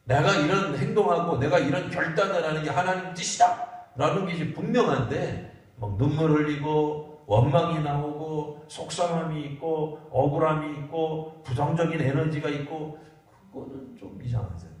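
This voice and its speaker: A man's voice: a little high, moderate pace. A male pastor giving a sermon at a Friday prayer meeting, speaking conversationally and posing rhetorical questions to the congregation. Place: church sanctuary. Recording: echoey church hall, mic at a distance.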